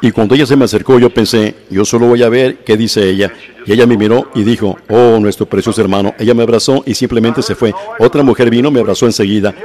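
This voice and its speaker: A man delivering a sermon in a slow, measured storytelling manner, often repeating and restarting words. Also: medium pitch, fairly even intonation, a little mellow. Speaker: preacher. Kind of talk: sermon in Spanish translation.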